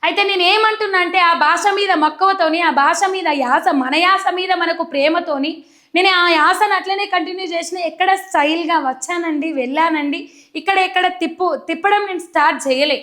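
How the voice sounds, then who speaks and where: Woman, young adult, Telangana Telugu accent, bright ringing tone, emphatic commentary. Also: extremely high pitch, brisk. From Telangana, India. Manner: earnest, emphatic, colloquial. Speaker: political commentator. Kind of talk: direct-to-camera commentary.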